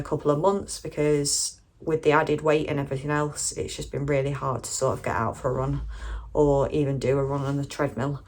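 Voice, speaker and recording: Low-pitched British woman, casual vlog chat. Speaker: running vlogger.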